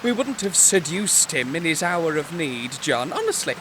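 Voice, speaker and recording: An actor voices a pompous, easily wounded gay husband in an audio sitcom. His pitch leaps dramatically through every arch phrase, over clear rain-like noise. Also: sing-song, moderate pace. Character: prissy, wounded, theatrical married gay man. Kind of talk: comedy audio drama dialogue. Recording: clearly noisy, rain-like background.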